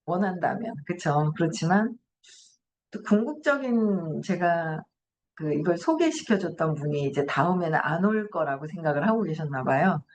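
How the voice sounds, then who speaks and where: A woman's voice: lowish voice, lively intonation, normal speed, a little hiss or hum. A middle-aged woman hosting a morning book talk, reading passages aloud and reflecting on them chattily. She often asks herself questions and laughs as she goes. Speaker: host.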